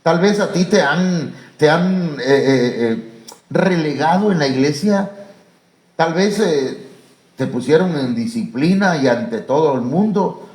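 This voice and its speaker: A man with a Mexican Spanish accent preaching a sermon as pastor, pausing on fillers and rising to emphatic high calls. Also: animated, a little mellow. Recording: echoey church room.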